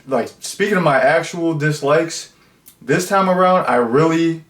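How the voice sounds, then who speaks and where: Casual male film reviewer, meandering and jokey, mid-pitched, in a roomy echoey space. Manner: rambling, full of fillers and jokey asides. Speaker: movie reviewer. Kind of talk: casual chat. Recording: roomy echo.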